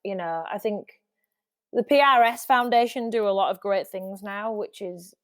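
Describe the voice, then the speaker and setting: A woman's voice: medium pitch, moderate pace, dry recording. Chatty woman in a dry room. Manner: chatty, restarts often, laughs easily. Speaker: music industry guest. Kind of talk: casual interview chat.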